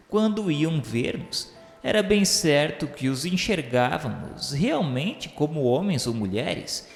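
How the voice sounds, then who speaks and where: Male audio-novel narrator, Brazilian accent. Slow, formal, earnest delivery in deep reverb. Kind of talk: dramatized literary narration, formal and solemn. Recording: echoey hall reverb with music behind. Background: music.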